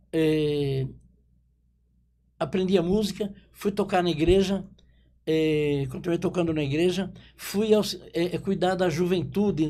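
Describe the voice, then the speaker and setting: High pitch for a man, paired with a dark, mellow tone and ordinary pitch variation. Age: 70s. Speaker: pastor. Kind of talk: interview.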